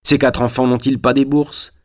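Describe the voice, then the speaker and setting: A man's voice: medium pitch, flat delivery, moderate pace, pitched above the performer's own voice, close to an everyday voice. A man voicing a young liberal manufacturer, sneering and sarcastic.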